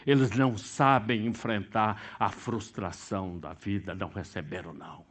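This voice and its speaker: A middle-aged man from Brazil preaching a sermon, swinging between sudden loud, high bursts and quiet, low asides. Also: fairly even intonation, moderate pace. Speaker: pastor.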